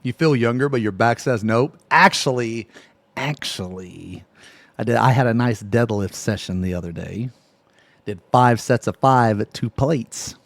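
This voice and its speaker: A man in his late thirties chatting casually on a live stream, reading viewer messages, laughing often and trailing off with a drawn-out "man". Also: medium pitch, creaky, no echo. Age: 30s.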